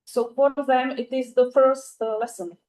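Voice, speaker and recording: A woman with a Czech accent, a native Czech speaker, giving an academic conference talk in English, with many "uh" pauses and careful phrasing. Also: sits high, fairly even intonation, darkish tone. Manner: frequent "uh" fillers, careful non-native phrasing. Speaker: conference presenter.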